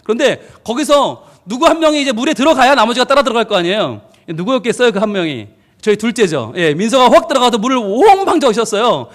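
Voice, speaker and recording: High-voiced, lively man preaching. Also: fast. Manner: lively storytelling, acting out quoted family arguments; asks the congregation questions. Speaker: pastor. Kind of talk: family-service sermon.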